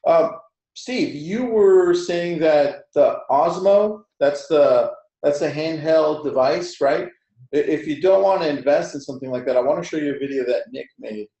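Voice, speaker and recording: A man's voice: a little high, moderate pace, dark tone. Casual man, echoey room. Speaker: host of a group discussion. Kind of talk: casual group webinar chat.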